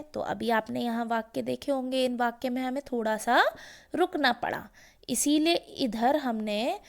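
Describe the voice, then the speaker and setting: Female teacher for a children's grammar lesson, high voice with some fry, asks questions and then answers them. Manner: slow, explaining with questions and examples.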